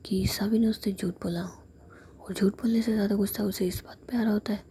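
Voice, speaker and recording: A woman retelling a story in a steady, continuous whisper. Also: mid-range voice, normal speed.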